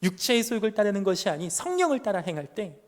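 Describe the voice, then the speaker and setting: A man's voice: high-pitched, very animated, fast talker. A man in his thirties, a junior pastor preaching a sermon to young adults, pressing the room with emphatic rhetorical questions and stories from his family life. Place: church sanctuary. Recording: long church hall reverb.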